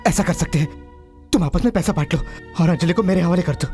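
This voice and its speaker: A man's voice: a little high, quick pace, darkish tone, soft background music, natural voice. A man dubbing a film role, a remorseful man pleading tearfully for a little girl. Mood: desperate. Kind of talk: dubbed film acting.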